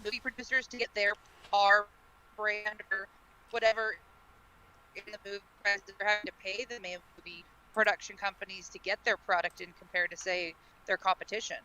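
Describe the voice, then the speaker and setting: Bright, higher-pitched panel voice. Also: flat delivery, brisk, a little hiss or hum, poor audio. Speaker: podcast co-host. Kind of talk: casual chat.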